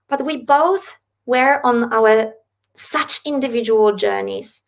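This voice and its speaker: Gravelly-voiced woman from Poland. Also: a little high, slow. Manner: earnest, reflective. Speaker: podcast guest. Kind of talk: interview storytelling.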